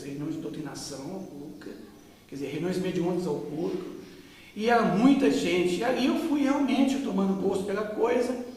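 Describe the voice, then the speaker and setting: A man in his fifties from Brazil, recalling his past in an unhurried oral-history interview with many pauses. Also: sits high, slight background noise. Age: 50s. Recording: echoey room, mic far off.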